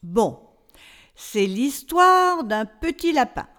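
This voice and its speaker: Flustered but patient storyteller played by a woman, slow and very animated, coaxing a child in a comic radio sketch. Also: high voice, heavily acted.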